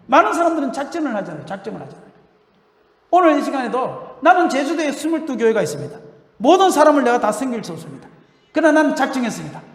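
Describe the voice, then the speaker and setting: An older pastor preaches from the pulpit in a notably high voice that swings widely in pitch. He tells his stories with laughter and shouts the scripture lines. The sound carries a roomy, long church-hall reverb. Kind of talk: sermon. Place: church sanctuary.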